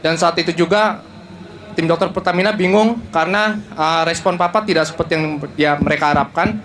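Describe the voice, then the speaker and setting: A young man, the pastor's son, earnestly giving a halting personal testimony. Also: fairly high pitch, noisy background. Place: stadium.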